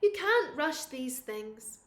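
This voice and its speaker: A woman reading the part of a lonely, earnest man from the moon in a children's storybook, wistful and drawn-out. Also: high voice, very animated, roomy sound, exaggerated voice. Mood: resigned.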